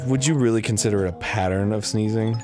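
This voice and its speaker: A man's voice: lowish voice, quick pace, music in the background. A man co-hosting a casual let's-play, joking and swearing playfully while he plays. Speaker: co-host.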